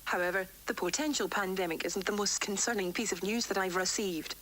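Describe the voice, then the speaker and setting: A woman playing a worried, defiant doctor dictating formal, measured research logs for an analog horror tape series, recorded on vintage cassette. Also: mid-range voice, fairly bright tone, lightly acted, poor audio. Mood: grave, concerned. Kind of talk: analog horror tape log, scripted report.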